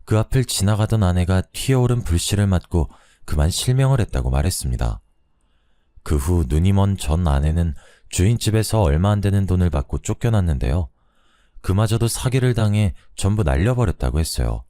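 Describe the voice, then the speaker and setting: A man calmly narrating a first-person story. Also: low voice, a little fast, no room sound, clean studio sound.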